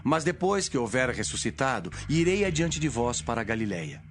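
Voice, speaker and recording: A man playing Jesus in a dramatised Bible reading, a solemn, authoritative teacher speaking in measured declamation. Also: medium pitch, very animated, slight background noise, lightly acted. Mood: grave, prophetic.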